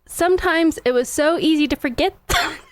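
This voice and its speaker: A woman's voice: high-pitched, normal speed, no room sound. A woman co-hosting a casual podcast, giggly and a little self-conscious. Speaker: show co-host. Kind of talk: casual joking podcast banter. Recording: music bed under voice. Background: background music.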